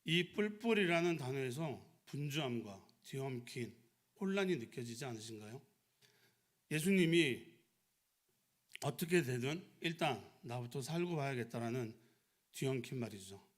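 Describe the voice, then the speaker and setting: A man's voice: medium pitch, animated, moderate pace. Korean man preaching an earnest sermon. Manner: earnest, asks the congregation many questions. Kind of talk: early-morning sermon. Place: church.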